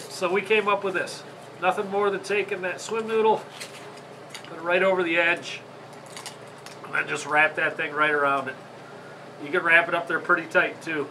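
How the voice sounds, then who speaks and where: A man's voice: fairly high pitch, background noise. A man in his thirties with a Michigan accent and a congested, plugged-up voice, chatting casually as host of a fishing how-to video from an indoor tackle workshop. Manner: chatty, rambling, apologetic. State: congested from a sinus infection.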